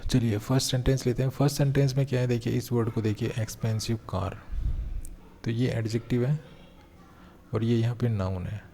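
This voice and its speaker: A male English teacher giving an exam-prep grammar lesson, explaining step by step and slowing down to read example sentences aloud. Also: mid-range voice, steady tone, warm tone, a little hiss or hum.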